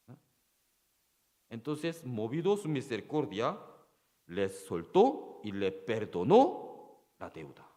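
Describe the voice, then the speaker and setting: A man preaching a sermon, halting and repeating key phrases, often asking the congregation rhetorical questions. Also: medium pitch, long reverb tail. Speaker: pastor. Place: church.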